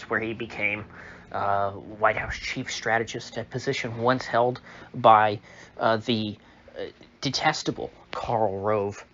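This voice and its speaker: Bright-voiced sick man, halting commentary. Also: mid-range voice, muffled recording, a little hiss or hum. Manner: halting, many uh fillers, opinionated. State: sick, slightly off voice. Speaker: political commentary host. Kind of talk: casual political commentary monologue. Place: indoor room.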